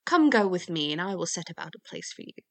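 A woman voicing a blunt, impatient male waggoner in a fairy tale, questioning loudly and brusquely. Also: lowish voice, very animated, fast talker, creaky, dry recording, heavily acted.

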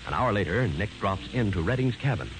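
A man's voice: on the low side, expressive, brisk, noisy background. A man announcing and narrating a radio drama in scripted 1940s style. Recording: old radio recording. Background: music.

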